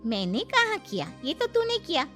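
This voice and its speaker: A woman's voice: very high voice, huge pitch swings, normal speed, fairly bright tone, faint music behind, exaggerated voice. A woman voicing a scheming middle-aged friend who gloats slyly. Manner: gloating, sly.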